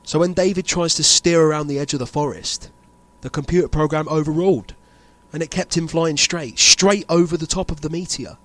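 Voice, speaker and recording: A man playing a grave insider revealing a sinister conspiracy in an amateur audio drama, speaking deliberately with dramatic pauses. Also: on the high side, fairly bright tone, no echo, lightly acted. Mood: grave, certain.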